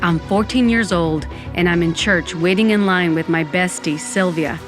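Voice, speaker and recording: A woman's voice: on the low side, normal speed, close to an everyday voice. A woman playing a wry undead Latina who narrates her own story with dramatic flair in a comic audio drama. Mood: reflective. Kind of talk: first-person comic audio fiction narration. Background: music.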